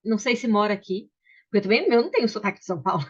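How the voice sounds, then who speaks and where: A woman's voice: medium pitch, expressive, very fast, slightly rough. A woman hosting a book club on a video call, chatty and welcoming, with frequent restarts. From Brazil. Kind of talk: casual video call chat. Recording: slightly dull video call audio.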